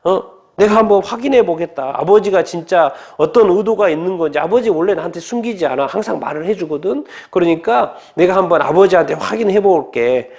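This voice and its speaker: A man's voice: sits high, expressive, brisk, few pauses, a little mellow. A male preacher voicing a loyal young prince who earnestly reassures his friend. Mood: reassuring.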